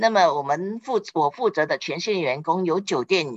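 A woman's fairly low voice with very wide pitch swings at a fairly slow pace, dry and close with no echo over a quiet background. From Malaysia. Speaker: event planner and PR firm founder. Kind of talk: online lecture.

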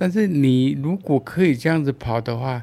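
A dark, mellow tone at a moderate pace with ordinary pitch variation. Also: man. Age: 60s. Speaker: blind long-distance runner, retiree. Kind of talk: casual chat.

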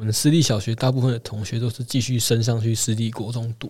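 Somewhat breathy, a man's voice sits at medium pitch with a dark, mellow tone. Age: 20s. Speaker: university student, former juvenile offender. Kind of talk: personal testimony in interview.

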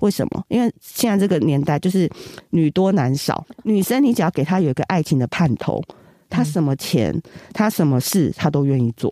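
A woman with a very deep, low voice and a dark, mellow tone, her pitch swinging very widely. Her loudness stays very even, and the sound is dry and close with no echo. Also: moderate pace. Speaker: astrology teacher. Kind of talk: casual interview chat. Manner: animated.

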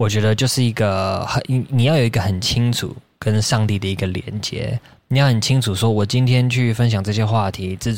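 A man speaks in a normal speaking voice. His pitch varies an ordinary amount. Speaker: pastor and YouTuber. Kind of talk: casual interview.

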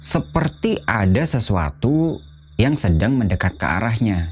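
Somewhat breathy, a man speaks at a very slow pace with very wide pitch swings. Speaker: horror storyteller. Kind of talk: horror story narration, told in casual Indonesian. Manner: conversational and suspenseful, telling it step by step.

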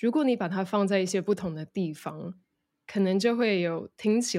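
In a very clean recording with a silent background, a dark, mellow voice moves at a moderate pace with ordinary pitch variation. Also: woman. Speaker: English coach. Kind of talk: interview conversation.

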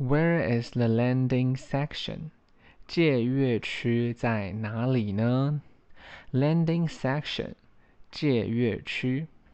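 A man speaks at a very slow pace in a Chinese accent. His pitch sits in the medium range with ordinary variation. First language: Mandarin Chinese. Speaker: English language teacher. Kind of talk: language-learning tutorial. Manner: slow, deliberate, repeating each sentence.

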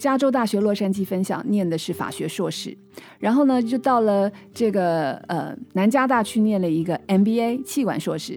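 At a moderate pace, the speech carries lively intonation. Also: woman, medium pitch for a woman. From Taiwan. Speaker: lawyer and author. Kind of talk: casual interview chat.

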